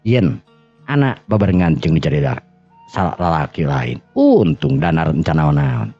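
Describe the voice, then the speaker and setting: Deep-voiced Sundanese man telling a story. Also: wildly swooping pitch, dark tone. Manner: halting, repetitive, self-correcting. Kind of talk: informal oral storytelling narration. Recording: dull lo-fi audio under music. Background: background music.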